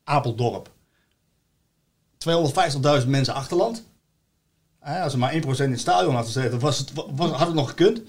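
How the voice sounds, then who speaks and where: A man's voice: mid-range voice, fairly quick, pauses often, breathy edge. A Dutch man in casual football chat, telling long stories with many restarts and fillers.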